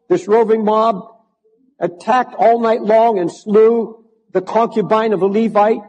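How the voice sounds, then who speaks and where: High-voiced older preacher in a reverberant hall. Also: male voice, warm tone. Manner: builds to fervent, emphatic repetition. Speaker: pastor. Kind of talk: sermon. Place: large church.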